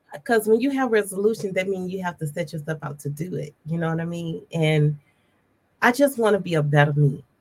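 A very fast, lively woman with an American accent, fairly low in pitch and somewhat breathy. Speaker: podcast co-host. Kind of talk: casual chat.

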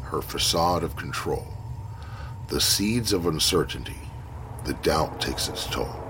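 A man's dramatic delivery at a fairly slow pace, with long, frequent pauses, very wide pitch swings and noticeable background noise. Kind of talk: poet spoken word. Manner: dramatic, measured, ominous cadence with rhymed couplets.

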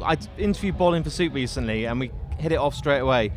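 A man with an English accent, fairly quick in pace and lively in intonation. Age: 40s. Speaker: podcast host. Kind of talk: casual interview. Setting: backstage at a festival.

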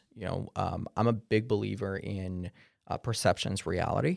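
Fairly low in pitch, a man talks with vocal fry and lively intonation. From Israel. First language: Hebrew. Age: 20s. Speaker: real estate agent. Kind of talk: interview.

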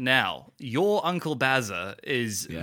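A man with a medium pitch speaks in a bright, sharp tone with very wide pitch swings. The recording is very clean, with a silent background. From Australia. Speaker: podcast co-host and actor. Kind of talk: casual chat.

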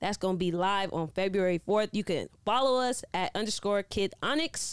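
A woman at a moderate pace with ordinary pitch variation, a plain, everyday voice. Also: very clean recording, silent background. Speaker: podcast host. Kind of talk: casual chat.

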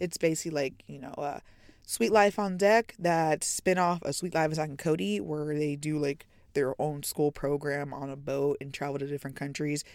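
On a very clean recording with a silent background, a woman speaks with a very deep, low pitch. Her pace is moderate, her pitch varies in an ordinary way, and her loudness swings widely. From East Texas, US (Tyler), Nigerian parents. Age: 20s. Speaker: podcast host, travel advice; nurse. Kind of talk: casual solo podcast monologue. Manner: chatty, informal.

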